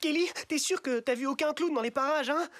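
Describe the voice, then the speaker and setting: An actor playing an excitable, goofy young boy sidekick who acts the hero, in a French cartoon dub. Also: high voice, brisk, close to an everyday voice. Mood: nervous. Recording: loud music behind the voice.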